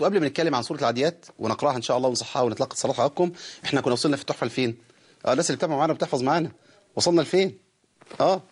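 A man with an Egyptian Arabic accent hosting a broadcast lesson on Quran recitation, explaining rules and slowly chanting verses of a teaching poem. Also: mid-range voice, husky.

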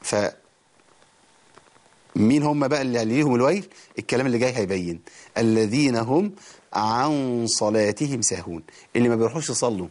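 On a TV show, a man with an Egyptian Arabic accent teaches Quran recitation, laying out the rules in plain speech and reciting verses slowly with drawn-out sounds. His voice is mid-range and a little mellow.

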